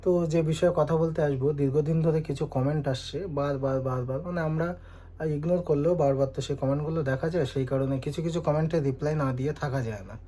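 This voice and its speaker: A young man calmly explaining and reasoning with viewers in a casual vlog at home. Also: fairly high pitch, brisk. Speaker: vlogger, husband. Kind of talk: casual vlog talk replying to comments. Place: home indoors.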